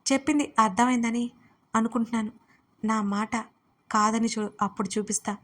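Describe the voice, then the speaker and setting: A domineering young boss man in a storybook audio drama, as a woman reads him, barking orders and teasing in a fairly high, bright voice. He scolds sharply and talks down to the heroine. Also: fairly even intonation, moderate pace, close to an everyday voice. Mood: scolding. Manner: commanding, scolding.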